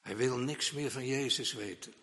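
A male preacher delivering a sermon, emphatic and swinging from quiet asides to loud declamation while repeatedly addressing the congregation. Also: mid-range voice, moderate pace. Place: church. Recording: long reverb of a church hall.

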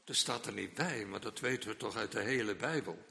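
A male preacher delivering a sermon, emphatic and swinging from quiet asides to loud declamation while repeatedly addressing the congregation. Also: fairly low pitch, fairly quick, gravelly. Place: church. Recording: long reverb of a church hall.

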